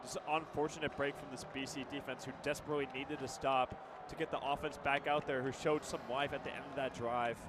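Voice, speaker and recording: A man giving live football color commentary in a conversational, slightly halting way. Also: medium pitch, little pitch movement. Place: outdoor stadium broadcast position. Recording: clear outdoor background noise.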